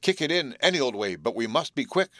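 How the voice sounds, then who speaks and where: A man's voice: medium pitch, big pitch swings, fast, pushed and bright, no echo, voice pushed up. A man voicing a cool-headed teenage boy who gives firm, urgent commands.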